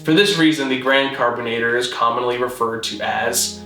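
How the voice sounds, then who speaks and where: A man narrating a scripted mock-documentary explainer in a formal, measured, deadpan manner. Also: mid-range voice, echoey room, faint music behind, low-quality recording. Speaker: presenter of a constructed-language video.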